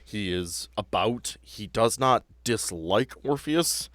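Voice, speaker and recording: A man's voice: on the low side, expressive, slow, fairly bright tone, dry recording. A man acting as game master, talking casually as he explains a tabletop game.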